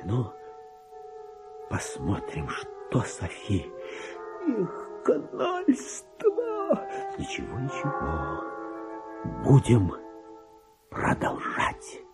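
An actor playing a self-important lowly clerk sliding into madness, muttering and exclaiming abruptly in a theatrical radio monologue. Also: male voice, huge pitch swings, very slow, long pauses, music in the background, heavily acted, rough recording. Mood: uneasy, muttering.

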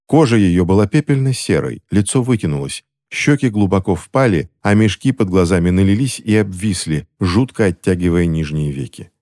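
A man reading a fantasy novel aloud as an audiobook narrator, in a steady, dramatic way. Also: sits low, normal speed, few pauses.

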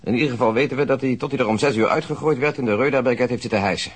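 An actor playing a blunt, skeptical police detective in a crime radio drama, reporting matter-of-factly. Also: male voice, mid-range voice, rapid-fire, slightly rough, close to an everyday voice. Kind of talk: audio crime drama acting.

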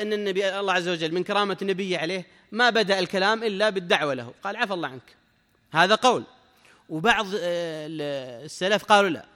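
Rapid, emphatic preacher in a hall. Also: male voice, high-pitched, fairly bright tone. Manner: rapid, emphatic, quotes verses and acts out dialogue. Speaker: sheikh teaching Quran reflection. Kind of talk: sermon lesson.

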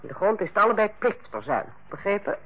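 An actress playing a stern, sarcastic head nurse who lectures and bites in a Dutch radio play. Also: female voice, medium pitch, big pitch swings, quick pace, husky. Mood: cold, commanding. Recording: muffled old radio play recording.

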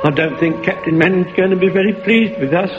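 An actor playing an officious, flustered old lance corporal in a sitcom. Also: male voice, high-pitched, a little fast, over loud music, lightly acted. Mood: dismayed. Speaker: comedy actor. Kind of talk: 1970s British sitcom acting. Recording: very noisy, dull, reverberant hall.

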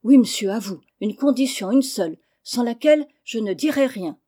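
A woman reading the part of a bold schoolboy, polite and firm, who keeps calm under pressure. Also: on the high side, normal speed.

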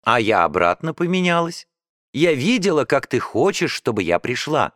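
A man voicing a gentle mother who speaks softly and calmly. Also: medium pitch, moderate pace, no room sound, clean studio sound.

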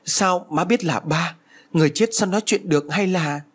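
A man's voice: high-pitched, normal speed, slightly rough, pitched above the performer's own voice. Man voicing a frightened young woman. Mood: alarmed. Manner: anxious, urgent. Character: frightened young woman searching for her sister.

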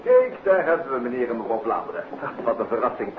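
A man's voice: mid-range voice, very animated, quick pace, lightly acted. An actor playing a jovial, courteous male host with an affable, formal manner in a 1950s Dutch radio play. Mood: jovial, welcoming. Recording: tinny, noisy 1950s radio recording.

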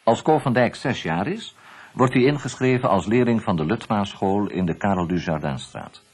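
Male documentary narrator: measured storytelling, lively, varied delivery. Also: lowish voice, slightly rough. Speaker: journalist, narrator. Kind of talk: scripted radio narration.

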